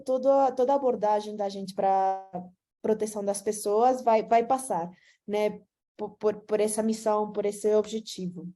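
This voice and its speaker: A woman's voice: medium pitch, dark tone. A woman from Venezuela with a Venezuelan Spanish accent, speaking Portuguese as a guest speaker on a video call, often hesitating and restarting. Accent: Venezuelan Spanish, with some Portuguese mixed in. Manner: frequent hesitations and restarts, friendly, mixes in Spanish. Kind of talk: online talk with slides.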